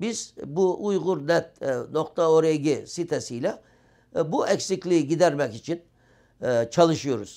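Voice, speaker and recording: On a very clean recording with a silent background, a man with a fairly high pitch and a dark, mellow tone talks at a very slow pace with lively intonation. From East Turkestan (Yarkand), raised in Kayseri, Turkey from age 15. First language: Uyghur (speaking Turkish). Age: 60s. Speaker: community activist, foundation leader. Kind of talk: interview. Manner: hesitant, many filler sounds.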